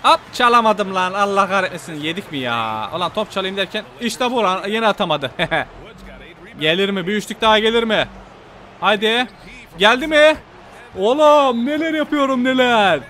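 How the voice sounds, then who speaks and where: A man giving excited gameplay commentary as a gaming YouTuber, shouting at the players on screen and at his viewers, his voice going hoarse. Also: high-pitched, moderate pace.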